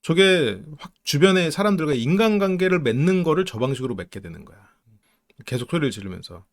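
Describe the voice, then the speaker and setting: Animated man commenting on a reality show. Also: medium pitch. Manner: animated, acts out quoted lines of family members. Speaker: counseling psychology YouTuber. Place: home studio, live stream.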